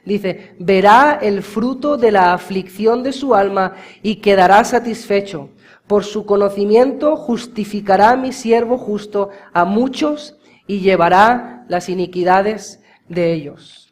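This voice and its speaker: A high-pitched man delivers an impassioned sermon to his congregation. He speaks to them directly and warmly as brothers. His delivery moves between quiet, drawn-out phrases and loud, insistent peaks. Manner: impassioned preaching, swings from hushed to loud emphasis. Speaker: pastor.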